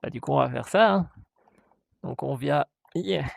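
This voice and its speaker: Unhurried male tutorial host, hesitant, gravelly tone, dry recording. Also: fairly high pitch, dry recording. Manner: hesitant, many "euh" fillers, reads out codes step by step; voices the software in playful mock dialogue. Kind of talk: screen-recorded tech tutorial.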